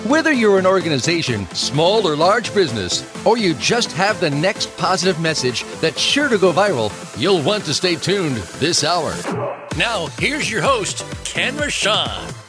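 A man's voice: high-pitched, big pitch swings, unhurried. A man reading a scripted show intro in a promotional announcer style. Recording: voice over music bed.

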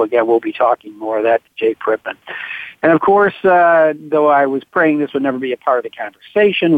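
A radio host talking horse racing with a slightly hoarse voice, halting often with uh between phrases and getting enthusiastic about winners. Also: male voice, medium pitch, dry recording. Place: at home on a farm. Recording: tinny dry phone line.

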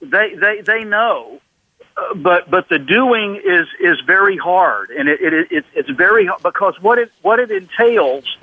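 A man with a slightly high voice talks as a business expert in a radio interview. He is emphatic and conversational, doubling back on words and acting out the lines he quotes. The sound is close and dry. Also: big pitch swings, no echo, narrow, tinny audio. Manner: emphatic, halting with repeated words, acts out quoted remarks. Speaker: interview guest, business author and consultant.

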